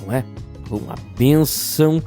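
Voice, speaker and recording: A slightly hoarse Brazilian man hosting a casual religious radio show in a chatty way, often adding little tag questions. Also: mid-range voice, normal speed, dark tone, soft background music. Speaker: radio host.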